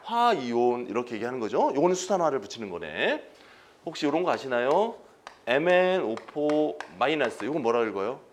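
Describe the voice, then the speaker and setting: A man's voice: medium pitch, big pitch swings, a little fast, a little hiss or hum. A man giving an exam-prep chemistry lecture, asking students questions and answering them himself, repeating key terms.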